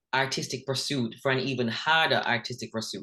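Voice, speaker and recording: A woman speaks with a very deep, low pitch. Her tone is bright and sharp, with ordinary pitch variation. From Jamaica, Ocho Rios. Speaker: actor and voiceover artist. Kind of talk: interview.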